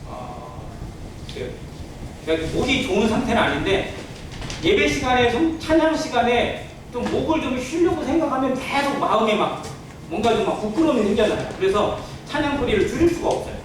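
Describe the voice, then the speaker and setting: Korean-language aside, male pastor giving a sermon, really echoey church, highish voice, earnest, asks questions as he goes. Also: lively intonation, fairly quick. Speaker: pastor preaching to a congregation. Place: indoor church sanctuary. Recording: very echoey church hall, distant mic, faint noise.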